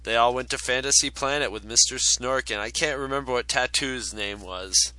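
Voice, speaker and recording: A middle-aged man looks back on childhood projects in an easygoing, conversational way. His voice is smooth and bright, recorded close and dry. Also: mid-range voice, dry recording. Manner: reminiscing, conversational, drawn-out. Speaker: podcast co-host. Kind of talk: casual chat.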